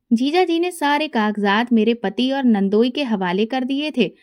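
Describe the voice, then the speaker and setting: Brief: woman storyteller, high voice, steady dramatic first-person narration.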